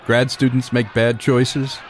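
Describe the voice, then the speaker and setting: A man's voice: mid-range voice, little pitch movement, takes it slowly, slight background noise, close to an everyday voice. An actor playing a wry, protective male researcher in a golden-age style radio drama.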